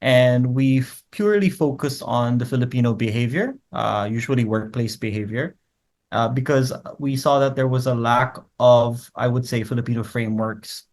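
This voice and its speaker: A native Korean speaker from Korea, this man is a guest researcher in a conversational interview, setting out his ideas in numbered points and tagging statements with quick checks on the listener. His voice is medium-pitched with a darkish tone.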